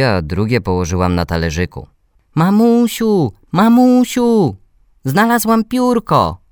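A man narrating a children's story in a gentle, measured reading voice that speaks to young listeners. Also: low voice, no room sound, clean studio sound.

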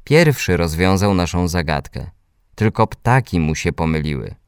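A man narrating a children's story in a gentle, measured reading voice that speaks to young listeners. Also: sits low, expressive, smooth, no echo, clean studio sound.

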